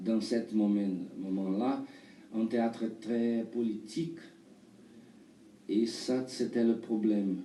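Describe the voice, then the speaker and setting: A man with a Portuguese accent speaks very slowly in a medium-pitched, dark, mellow voice, his loudness very even, his intonation fairly even, with long, frequent pauses. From Brazil. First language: Portuguese (speaking French). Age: 30s. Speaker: actor. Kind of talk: interview. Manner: halting.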